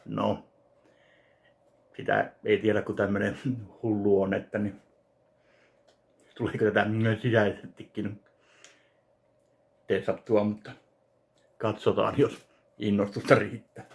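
A man in his thirties from Finland, casually narrating an unboxing of a fan package in his home kitchen, speaking slowly and haltingly to a webcam. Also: lowish voice, level tone, gravelly. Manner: slow, halting, listing items one by one. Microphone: webcam at desk distance.

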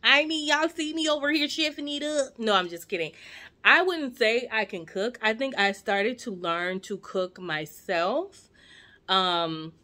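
A woman's voice: on the high side, measured pace, bright, forceful tone. A woman in her forties, born in Jamaica and raised in the United States, chatting at home to the camera in a rambling, playful way with asides to her viewers. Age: 40s. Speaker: vlogger. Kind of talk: casual chat to camera. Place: living room at home. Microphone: camera at arm's length.

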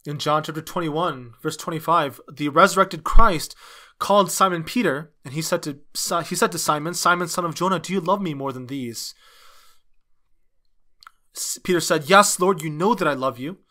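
Male sermon interpreter, slightly high-pitched, halting phrase-by-phrase preaching delivery. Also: pushed and bright. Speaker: interpreter dubbing a pastor's sermon.

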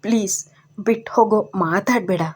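A woman voicing a sorrowful young man who pleads softly with the woman he loves in an audio story. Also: mid-range voice, moderate pace, breathy edge, lightly acted. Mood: pleading.

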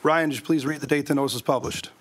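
Brisk man chairing a council meeting. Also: mid-range voice, steady tone, slight background noise. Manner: brisk procedural, reading agenda items. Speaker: mayor chairing city council. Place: council chamber.

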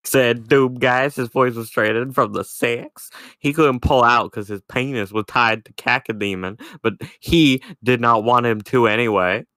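Bright, crisp-voiced man narrating. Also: mid-range voice, moderate pace, no room sound. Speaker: podcast co-host reading aloud. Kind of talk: comedic reading of fan fiction.

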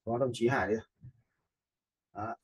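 A man giving an informal step-by-step software tutorial as an instructor, often checking that viewers follow. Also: fairly low pitch, fairly even intonation, normal speed, breathy edge. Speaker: video editing instructor.

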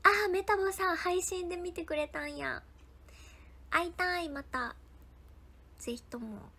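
This idol livestreamer, a young woman with a bright, high voice, keeps a measured pace as she chats and reads viewer comments. She thanks people individually by name and repeatedly drops into quiet whispered asides.

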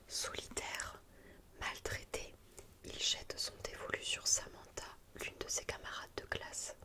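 A young adult woman with a French accent, speaking in a hushed, breathy ASMR library whisper close to the microphone. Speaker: ASMR video host. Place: quiet indoor room. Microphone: close studio mic with furry windscreen.

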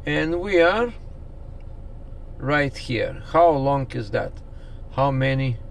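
A man's voice: medium pitch, lively intonation, slow, vocal fry. Chatty man vlogging from a car. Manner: chatty, addresses viewers as "people". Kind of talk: casual driving vlog. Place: inside a moving car. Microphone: camera on the dashboard. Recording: car with road noise.

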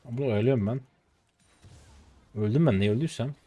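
Fast and mid-range, the voice comes from a late-twenties streamer from Turkey commenting casually on the game he's playing. He leans on slang, gets excited, and shouts at turning points in the game.

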